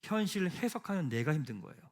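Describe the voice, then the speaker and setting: A man's voice: a little high, very animated, fast. A man preaching a sermon as pastor, asking the congregation rhetorical questions and leading them in reading scripture aloud. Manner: rhetorical questions, swings from hushed to emphatic. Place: church sanctuary.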